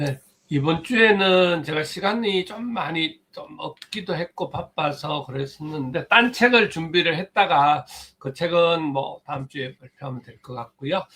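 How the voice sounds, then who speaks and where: With a bright, sharp tone and high pitch, this man's voice swings widely in loudness and carries lively intonation. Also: fairly slow pace. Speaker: clinic director, book club member. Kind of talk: book presentation.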